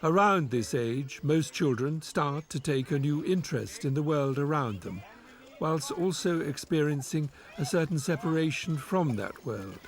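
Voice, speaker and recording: A man narrating a documentary in a measured, explanatory way and interviewing a teacher. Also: fairly high pitch, expressive.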